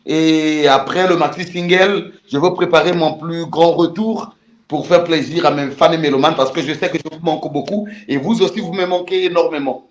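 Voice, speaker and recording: A Congolese man with a Congolese French accent, a musician guest in a casual interview, repeating warm greetings. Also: fairly high pitch, steady tone, moderate pace. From Republic of the Congo. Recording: roomy, dull lo-fi sound.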